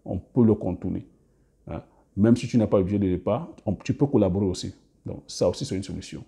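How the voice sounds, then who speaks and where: Guy with a really dark mellow low voice, rambly vlog advice, lots of uh and restarts, trails off soft. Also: a little fast, gravelly. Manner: hesitant, many fillers and restarts; trails off quietly at phrase ends. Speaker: business coach YouTuber. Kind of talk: casual advice monologue to camera.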